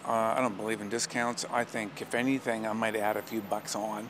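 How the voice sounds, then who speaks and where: Through noticeable background noise, a man speaks with monotone, flat intonation. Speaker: interviewee. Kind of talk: interview answer. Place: street. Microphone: handheld.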